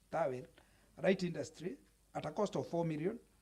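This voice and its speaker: A man's fairly high voice at a very fast pace. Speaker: county assembly member, committee chair. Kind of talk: tabling a committee report in plenary. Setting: county assembly chamber. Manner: loud; formal, with hesitations and self-corrections.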